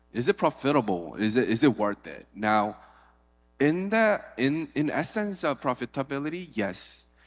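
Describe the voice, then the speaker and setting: A man speaks at a moderate pace and fairly high pitch with very wide pitch swings. The sound is dry and close with no echo, and music plays in the background. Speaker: startup founder presenting at forum. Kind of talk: conference presentation.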